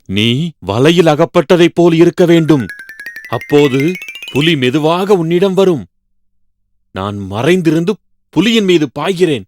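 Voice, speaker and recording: A sly little cartoon fox, played by a man, pitched high and slow in delivery. He coaxes and flatters as he schemes against his friend, with music playing behind him. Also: no room sound. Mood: coaxing. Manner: coaxing, scheming. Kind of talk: children's cartoon animal fable.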